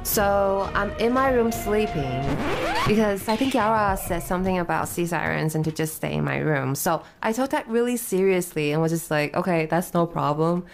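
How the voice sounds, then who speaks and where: A woman's voice: on the low side, normal speed, gravelly, over music. A woman improvising casually as a tabletop player, with laid-back comic understatement.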